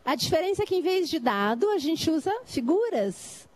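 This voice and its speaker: Woman, middle-aged, lecturing on a panel, high voice, very lively intonation, keeps checking understanding. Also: moderate pace. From Brazil. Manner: explanatory, asks listeners if they follow. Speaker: lecturer on literacy teaching. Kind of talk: debate panel talk.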